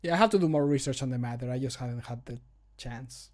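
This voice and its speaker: A man's voice: mid-range voice, quick pace, darkish tone. A man in his thirties chatting casually as a streamer, joking and poking fun at himself, with the odd swear word. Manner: joking, self-mocking, sweary. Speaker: streamer recording mod voice lines. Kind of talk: casual chat to viewers. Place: small room at home, indoors.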